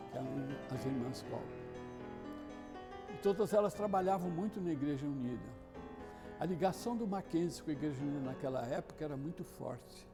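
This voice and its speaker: A man recalling old memories in an unhurried testimony, often adding "né". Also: fairly high pitch. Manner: nostalgic, unhurried, with many "né" tags. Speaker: interviewee sharing memories. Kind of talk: reminiscing testimony. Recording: piano music underneath.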